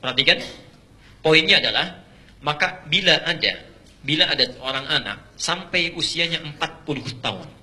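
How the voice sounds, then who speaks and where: Middle-aged male preacher, bright slightly high voice, dramatic sermon delivery with loud-to-soft swings. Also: expressive, normal speed.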